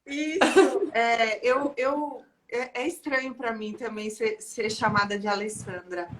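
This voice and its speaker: Earnest São Paulo woman, slightly high. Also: a little slow, slight background noise. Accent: Brazilian Portuguese, São Paulo. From São Paulo, Brazil. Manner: earnest, repeats words when starting. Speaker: guest, marathon swimmer. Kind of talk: casual interview storytelling.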